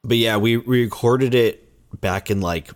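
A man co-hosting a podcast in casual chat, hoarse from bronchitis, rambling and correcting himself as he goes. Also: medium pitch, unhurried, music in the background. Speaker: podcast co-host.

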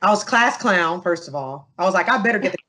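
A young adult woman answering interview questions in a casual, animated way, telling stories with asides to the listener. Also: fairly low pitch, fast talker. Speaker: interview guest.

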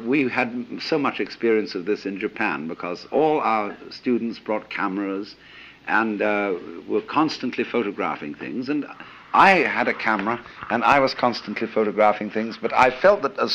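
Musing older man lecturing, lively pitch. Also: muffled recording. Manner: musing, anecdotal, with frequent "you see" and "uh". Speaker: lecturer on philosophy. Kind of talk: reflective spoken lecture.

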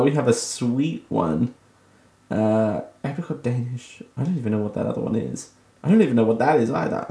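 A man's voice: medium pitch, a little mellow. An Australian man hosting a radio show, chatting casually on his own, joking at his own expense and laughing often. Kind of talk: casual solo radio talk. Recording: echoey room.

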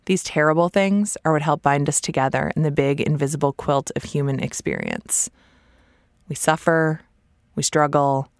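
A middle-aged woman from the hosting a podcast, delivering an earnest scripted monologue with wry asides. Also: low-pitched. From United States. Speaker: podcast host.

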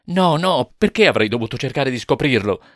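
A man's voice: medium pitch, expressive, brisk, no echo, clean studio sound, soft background music, pitched above the performer's own voice, natural voice. A man voicing an anxious husband who pleads his case and raises his voice in protest. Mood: agitated protest. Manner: earnest, raising his voice in protest.

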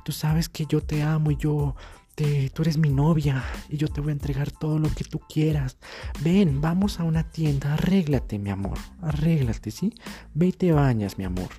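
Mujer haciendo de novio complaciente y consentidor. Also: female voice, sits low, normal speed, mellow, husky, faint music behind, voice pushed up. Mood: doting. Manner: soothing, eager to please. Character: doting generous young boyfriend. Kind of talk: comedic sketch voicing.

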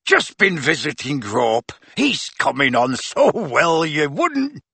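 A man voicing a huge, shaggy, gruff man with a warm, blustering manner in a storybook reading. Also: fairly high pitch, big pitch swings, takes it slowly, no room sound, heavily acted. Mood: cheerful.

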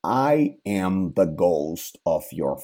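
A man reading the lines of the ghost of a murdered king, in a slow, solemn way. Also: low voice, big pitch swings, dark tone, voice pushed down, exaggerated voice.

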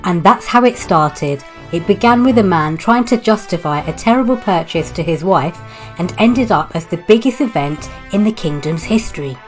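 Woman as sardonic pantomime narrator over loud music. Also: lowish voice, animated, normal speed, natural voice, low-quality recording. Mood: storytelling. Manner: dry, grudging, sarcastic. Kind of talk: storybook narration with dry asides.

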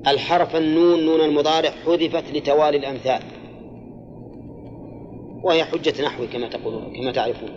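A man's voice: a little high, fairly even intonation, fast talker, pauses often, a little mellow, lo-fi sound. An older man teaching a grammar and exegesis class, explaining step by step, repeating key phrases and quizzing his students. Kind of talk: classroom lesson with questions to students.

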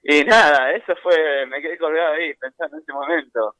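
A man's voice: a little high, a little fast, no room sound, poor audio. A man from Philadelphia with an American accent, a guest author on the phone telling anecdotes with lots of restarts. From Philadelphia, United States. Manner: chatty, animated anecdotes with many restarts. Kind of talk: phone interview, storytelling. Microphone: phone line.

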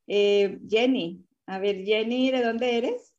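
A woman's voice: a little high, takes it slowly, a little mellow, muffled recording. A woman hosting a casual panel chat, chatty and full of fillers and exclamations. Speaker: host.

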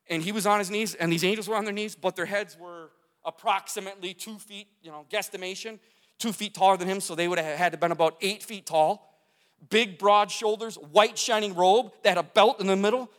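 Male testimony speaker, high pitch, repeats phrases for emphasis, long hall reverb. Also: a bit bright. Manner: vivid storytelling with gestures, repeats phrases for emphasis. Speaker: speaker telling his near-death story. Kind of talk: testimony talk to an audience.

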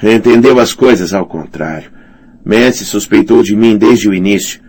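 A man's voice: lowish voice, moderate pace, darkish tone, voice pushed up, close to an everyday voice. A man voicing a trapped young man who speaks in a tight, dry, lifeless voice. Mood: tense. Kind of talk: audiobook character reading.

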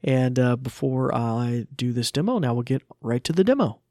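A man's voice: mid-range voice, expressive, normal speed, a little mellow, no echo, clean studio sound. A man giving a casual live tech demo, informal and hesitant, easily amused. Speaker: tech demonstrator.

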